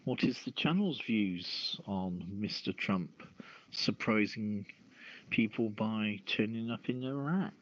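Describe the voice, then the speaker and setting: Slow-paced man hosting a radio talk show. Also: fairly low pitch, a bit bright. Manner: halting delivery with stumbles. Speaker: host of a radio call-in show. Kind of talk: reading news and hosting a discussion. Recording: roomy, dull lo-fi radio-style audio.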